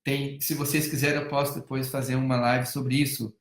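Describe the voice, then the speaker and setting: A Brazilian man speaking as a family counselor in a live-stream talk, animated, swinging between loud emphasis and soft hushed tones and acting out bits of dialogue as he tells stories. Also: mid-range voice, fairly quick, roomy sound. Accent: Brazilian Portuguese. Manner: acts out dialogue while telling stories.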